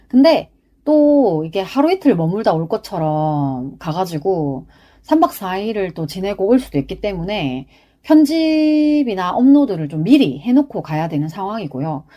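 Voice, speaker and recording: A young woman hosting her own podcast, chatting casually and quickly with the listeners. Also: mid-range voice. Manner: chatty, lively, talks fast and quick to laugh. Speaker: podcast host. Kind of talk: casual solo podcast chat.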